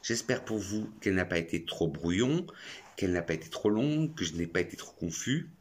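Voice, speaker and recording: A man's voice: low voice, expressive, fairly quick. A French man reviewing perfumes in a chatty, effusive vlog. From France. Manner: chatty and effusive, talks to himself. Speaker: perfume youtuber.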